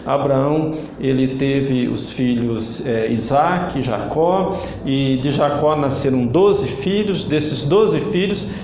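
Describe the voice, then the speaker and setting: Slow, emphatic Brazilian preacher man. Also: medium pitch, a little mellow, roomy sound, a little hiss or hum, rough recording. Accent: Brazilian Portuguese. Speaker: church leader preaching. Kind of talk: online sermon. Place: church hall.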